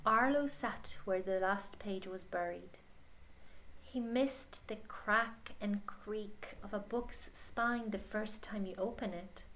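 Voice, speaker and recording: A female storyteller reads a children's storybook deliberately and expressively, addressing young listeners directly and dropping phrase endings to a hush. Her pitch is medium, and the low-quality recording carries a bit of hiss or hum.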